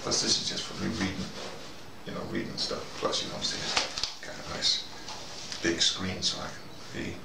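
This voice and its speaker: A middle-aged man in a casual, rambling show-and-tell, talking to camera in a folksy, colloquial way and often pausing mid-thought. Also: sits low, very animated, vocal fry. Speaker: vlogger. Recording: echoey, distant mic, loud background noise.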